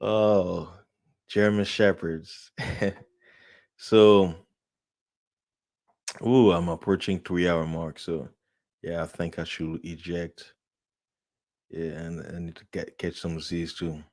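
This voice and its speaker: A man hosting his own live show, rambling in casual talk, laughing often and jumping up loud and high when excited. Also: takes it slowly, long pauses. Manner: rambling, laughs often, many fillers and restarts. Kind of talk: casual live-stream rant.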